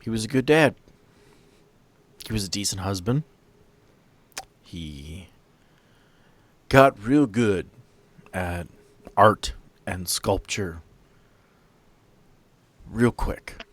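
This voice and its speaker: A man playing an artist's guarded, wistful daughter in a tabletop game, speaking in halting, subdued short phrases. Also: fairly low pitch, expressive, pitched below the performer's own voice, heavily acted. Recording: music behind the voice.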